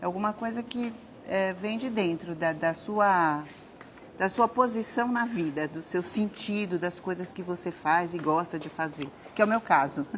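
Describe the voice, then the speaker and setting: A woman speaks at a fairly slow pace. Her medium pitch shows ordinary pitch variation. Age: 60s. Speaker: interviewee, pedagogue and anthropologist. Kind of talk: TV interview. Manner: hesitant, many fillers.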